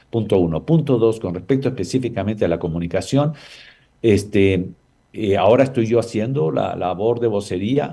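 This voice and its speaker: On a very clean recording with a silent background, a man's dark, mellow, fairly low voice carries lively intonation. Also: moderate pace. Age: 60s. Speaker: government communications secretary. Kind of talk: radio interview.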